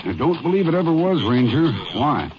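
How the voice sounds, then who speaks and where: A plain-spoken county sheriff in a western radio play, with an animated swing to his pitch. He sounds cooperative, on a muffled and noisy vintage recording. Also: brisk. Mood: curious, cooperative. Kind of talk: old-time western radio drama acting.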